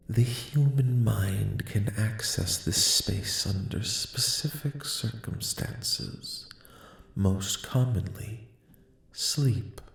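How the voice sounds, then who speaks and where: Man voicing a slow, soft-spoken, echoing alien. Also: lowish voice, vocal fry. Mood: calm, explanatory. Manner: slow, formal, measured, reassuring. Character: calm, courteous, ancient disembodied alien collective. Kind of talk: soft-spoken ASMR roleplay. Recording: echoing, reverberant voice.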